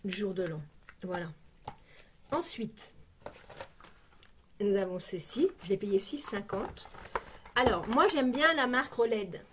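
A woman's voice: medium pitch, moderate pace. Parisian French woman, casual beauty vlogger, chatty and exclamatory, faint background noise. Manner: chatty, exclamatory, lots of "hein" fillers. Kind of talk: casual unboxing chat.

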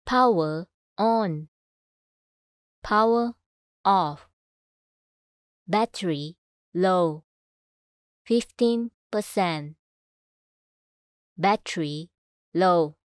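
A woman reading scripted voice-over in a measured, clearly enunciated way. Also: mid-range voice, no room sound, studio quality. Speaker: voice actor. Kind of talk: voice-over demo reading of commercials, narration and announcements.

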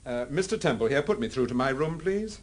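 An actor playing a composed, polite British gentleman detective in a radio drama, speaking in a measured way. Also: mid-range voice, expressive, close to an everyday voice. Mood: reassuring. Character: suave, unflappable gentleman detective, married man.

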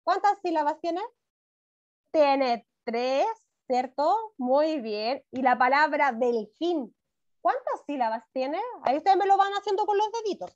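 Chilean teacher lady on a zoom class, high voice, slow and sweet, muffled lo-fi sound. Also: darkish tone. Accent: Chilean Spanish. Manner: affectionate, encouraging, calls pupils "mi amor". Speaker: first-grade teacher. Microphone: video call. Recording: dull lo-fi video call audio.

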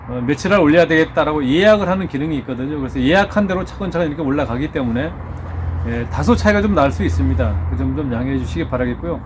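A middle-aged man hosting his orchid channel, speaking casually to subscribers with a slightly hoarse throat, talking through a face mask, full of fillers and little self-joking laughs. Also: fairly high pitch, noisy background. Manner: chatty, self-joking, many fillers and restarts. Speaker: orchid-growing channel host. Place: indoor studio. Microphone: wearing a face mask.

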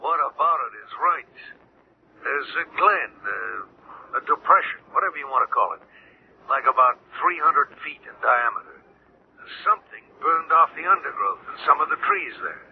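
Gravelly, blunt police sergeant. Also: male voice, a little high, lively intonation, moderate pace. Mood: wry. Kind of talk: radio drama acting. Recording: tinny, noisy old radio broadcast.

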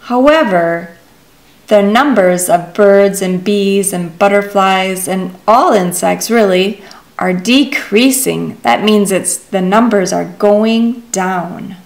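A middle-aged woman speaks in a very echoey room, some way from the microphone. She introduces a children's lesson at a slow, measured pace. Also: mid-range voice. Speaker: author and presenter of a children's puppet show. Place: living room at home, indoors. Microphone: far camera. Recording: echoey room, distant camera, faint noise.

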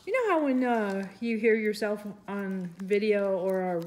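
This channel host, a resin artist, talks her way casually through a crafting demo at her table, musing aloud and poking fun at herself. Her medium-pitched voice is a little slow and a little mellow, the kind others describe as soothing.

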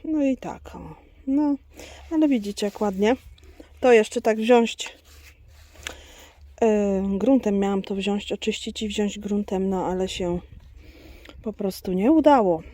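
A woman's voice: medium pitch, takes it slowly, pauses often, mellow, no echo. A woman vlogging outdoors on her farm, chatting to her goats and to her viewers. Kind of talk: casual vlog chat.

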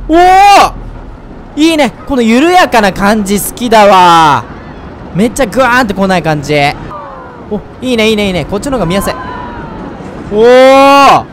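A man giving let's play commentary, chatty and excitable, talking straight to his viewers and breaking into loud whoops. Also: very high voice, slight background noise. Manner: chatty, speaks to viewers directly. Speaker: game commentator.

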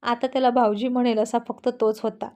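A woman storyteller reading a serialized family story in an expressive, lively way. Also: a little high, a little fast.

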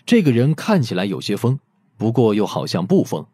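A man narrating an audiobook story in an expressive, scripted storytelling style. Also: lowish voice, fairly quick, husky, dry recording. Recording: music behind the voice.

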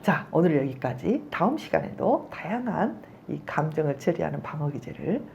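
A woman's voice: sits low, sing-song, normal speed, gravelly, a little mellow, a little hiss or hum. A middle-aged woman giving a psychology lecture in a conversational way, often checking in with her listeners and acting out angry outbursts as examples. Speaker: psychology professor.

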